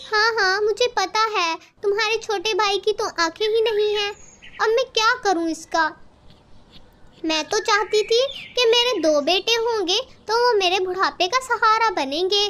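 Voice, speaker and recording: Cartoon mother crow, heartless and grumbling, a woman voicing her, very high voice. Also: unhurried, pushed and bright, exaggerated voice. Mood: cold. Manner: complaining, cold.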